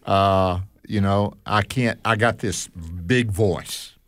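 Earnest man with a low voice. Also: takes it slowly, a bit bright, no room sound. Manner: earnest, self-deprecating. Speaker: radio show regular and pastor. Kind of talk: casual radio chat.

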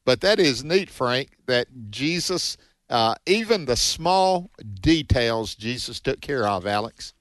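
A man co-hosting a call-in radio Bible show, folksy and warm with callers, calling them brother. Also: medium pitch, expressive, slow pace, dry recording. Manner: folksy, affectionate, calls people brother.

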